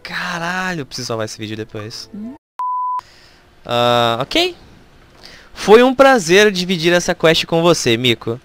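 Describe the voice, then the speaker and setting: A game streamer with a Brazilian Portuguese accent, excitedly commenting on gameplay during a live stream and talking straight to the game. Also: mid-range voice, a little slow, noisy background.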